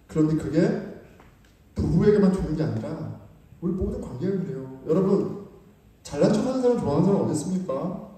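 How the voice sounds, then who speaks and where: A male pastor with a high, warm voice preaches a sermon in a church sanctuary, speaking conversationally and posing rhetorical questions to the congregation. The recording echoes through the church hall from a distant mic.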